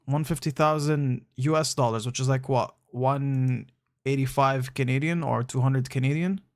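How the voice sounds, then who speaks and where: A man's voice: medium pitch, steady tone, normal speed, darkish tone. A young man from the United Arab Emirates chatting casually with viewers on a live stream, easygoing and slangy, thinking aloud with frequent restarts. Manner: laid-back, slangy, calls chatters bro.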